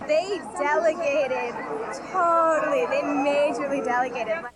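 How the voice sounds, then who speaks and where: A woman's voice: high-pitched, steady tone, a little slow. A young woman chatting casually as an interviewee. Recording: very loud crowd in large room. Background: loud crowd.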